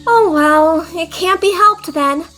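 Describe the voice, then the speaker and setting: A woman's voice: extremely high pitch, takes it slowly, pushed and bright, faint music behind, full character voice, poor audio. A woman playing a perky, inquisitive young female sightseer in a fan audio drama, with a bubbly manner. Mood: cheerful.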